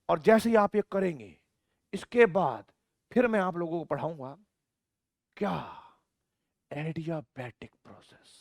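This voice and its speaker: A man teaching a physics lecture for exam students, playfully asking questions and answering them himself, dictating definitions slowly and swinging between loud calls and soft asides. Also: sits high, dry recording, clean studio sound.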